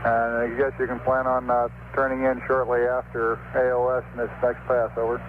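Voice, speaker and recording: A man's voice: medium pitch, completely flat delivery, a little fast. An American man working as a mission control radio communicator, speaking in clipped, matter-of-fact military procedure over a crackly two-way radio. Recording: noisy, narrow-band archival space radio link.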